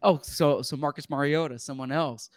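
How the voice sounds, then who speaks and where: A man's voice: a little high, moderate pace, dry recording, clean studio sound. A man co-hosting a casual sports talk show who often stumbles and repeats words as he starts his thoughts. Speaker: sports podcast co-host.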